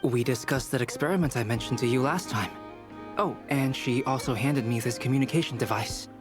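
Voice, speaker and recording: Casting: male actor as youthful game character, gentle, formal, precise, music underneath. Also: medium pitch, brisk, lightly acted. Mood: earnest. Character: gentle, polite, earnest young inventive being in human form. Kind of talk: video game voice acting.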